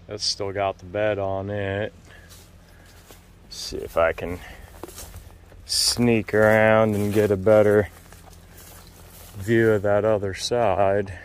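A man calmly narrating a casual walk-around tour of a wooded car lot outdoors, in matter-of-fact, unhurried remarks. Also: on the low side, a little hiss or hum. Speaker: vlogger touring a car lot.

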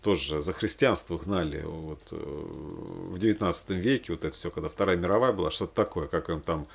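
A man speaking casually and ramblingly as he recommends things to watch, halting and repeating himself for emphasis. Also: low-pitched, gravelly, husky. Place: small room indoors.

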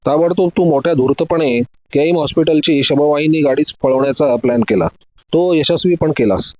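A man voicing a calm, confident male detective who lays out his case methodically in an audio story. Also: on the high side, no room sound, dull audio, natural voice.

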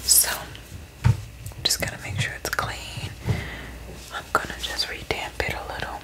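A woman in her twenties whispering breathily in an ASMR personal attention roleplay, often softly repeating words. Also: unhurried, low-quality recording. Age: 20s. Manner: soft repetition of words. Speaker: ASMR roleplay host as facial therapist. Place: small indoor room.

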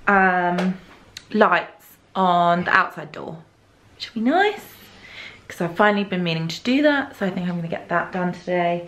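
A woman's voice: medium pitch, slight background noise. A young woman, chatting casually to camera while doing chores around her bedroom and thinking aloud. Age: young adult. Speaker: vlogger. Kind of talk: casual vlog chat. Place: bedroom at home, indoors. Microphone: camera held at arm's length and set on furniture.

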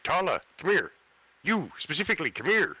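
Man putting on a panicky, high-pitched old man. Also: huge pitch swings, fairly quick, sharp tone, breathy edge, no room sound, exaggerated voice. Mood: urgent. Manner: urgent, panicky, repeating himself. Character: panicky old man adventurer calling his companions.

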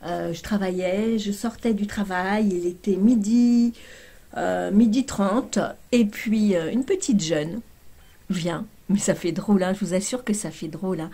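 A woman's voice: mid-range voice, measured pace, warm tone, breathy edge. A woman YouTuber chatting casually to her viewers, telling a storytime with lots of fillers and exclamations.

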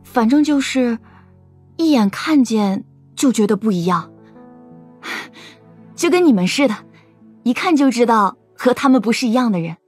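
Woman acting young shopgirl, candid, observant, audio drama, highish, breathy, faint music. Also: animated, normal speed, long pauses. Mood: earnest. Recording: music behind the voice.

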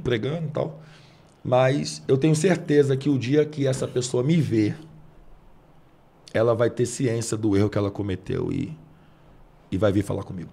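Gravelly, husky Carioca preacher man. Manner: earnest, drops soft and low when moved. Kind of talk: podcast testimony storytelling.

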